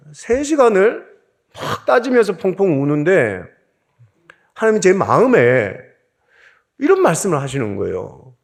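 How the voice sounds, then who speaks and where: A middle-aged man from South Korea, a pastor preaching a sermon and telling a personal story with strong emotion. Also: high-pitched.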